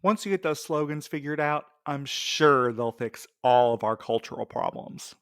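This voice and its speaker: A man's voice: a little high, normal speed, fairly bright tone, clean tone, no echo, close to an everyday voice. A man playing a wary night mail courier in an audio drama, dry and skeptical in manner. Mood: sarcastic. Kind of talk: scripted audio drama dialogue.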